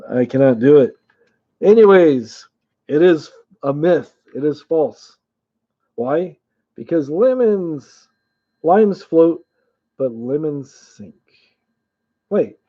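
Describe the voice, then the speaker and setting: Man, streamer quiz host, slow unhurried delivery, dull lo-fi audio. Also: medium pitch. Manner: chuckles often, reads viewer names aloud. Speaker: streamer hosting a trivia game. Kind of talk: casual live-chat quiz hosting.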